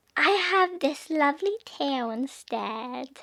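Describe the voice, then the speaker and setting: A put-on character voice, female-sounding and high-pitched for a woman, at a fairly slow pace. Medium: audio drama. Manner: bright, upbeat.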